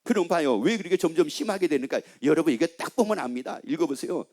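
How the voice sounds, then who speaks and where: A man's voice: a little high, lively intonation, quick pace, darkish tone. A male pastor preaching a sermon in a church, emphatic and constantly asking the congregation questions.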